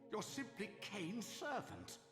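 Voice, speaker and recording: An actor playing a cunning, manipulative old sorcerer in a video game, with a grandiose, slyly theatrical delivery. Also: male voice, sits high, huge pitch swings, slow, fairly bright tone, full character voice. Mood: reproachful. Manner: grandiose, pleading, theatrically sly. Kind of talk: dramatic video game voice acting. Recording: echoey long reverb, game music behind.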